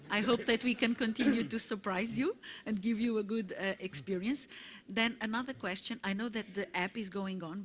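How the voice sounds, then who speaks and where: A woman with a low voice giving conference remarks as a company representative, halting often with "uh" fillers and restarts. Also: fairly bright tone. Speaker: corporate public affairs speaker. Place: conference hall.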